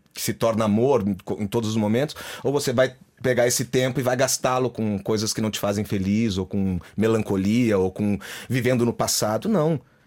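With a plain, everyday voice, a man talks fairly quickly at a medium pitch, using ordinary pitch variation. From Brazil. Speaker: musical theatre actor. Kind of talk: radio interview.

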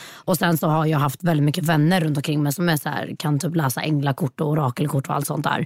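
A woman's very deep, low voice at a very fast pace, hardly any pauses, fairly even intonation, and a dry, close sound with no echo. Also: very even loudness. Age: 20s. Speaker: podcast guest. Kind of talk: casual chat.

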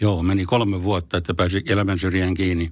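At a moderate pace, a man with a very deep, low voice speaks in a monotone, flat intonation on a very clean recording with a silent background. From Forssa, Tavastia, Finland. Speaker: former art forger and card sharp. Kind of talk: interview.

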